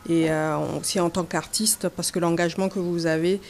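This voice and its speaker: A woman's voice: fairly low pitch, fairly even intonation, moderate pace, a little mellow. A woman journalist, a Swahili speaker, putting a question at a press conference and often searching for her words.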